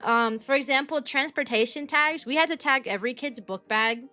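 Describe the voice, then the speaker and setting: A young woman in her mid-twenties chats easygoingly with her stream audience in a high, youthful-sounding voice. Her tone is sharp and forward, and she wanders through her thoughts with frequent ums, likes and restarts. Soft music plays faintly behind her. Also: normal speed. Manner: rambling and chatty, with many ums, likes and restarts. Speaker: VTuber streamer and kindergarten teacher. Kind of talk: casual chat with stream viewers.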